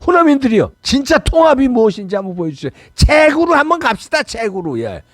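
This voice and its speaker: A man's voice: extremely high pitch, wildly swooping pitch, fairly quick, no room sound, studio quality. A middle-aged man from Seoul hosting fiery political commentary, pleading and scolding with mocking asides. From Seoul, South Korea. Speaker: political commentary channel host.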